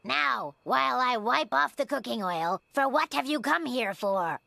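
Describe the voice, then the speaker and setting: A woman's voice: fairly high pitch, lively intonation, measured pace, creaky, bright, forceful tone, no echo, full character voice. A woman voicing a cartoon character who recites a silly home play in a hammy, melodramatic way. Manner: hammy, melodramatic line reading. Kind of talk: cartoon voice acting.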